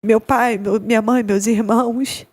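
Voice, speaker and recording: A young adult woman, giving an emotional personal account as a podcast guest, halting and repeating her words. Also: a little high, fairly even intonation, darkish tone. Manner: halting, with many repeated words and tag questions.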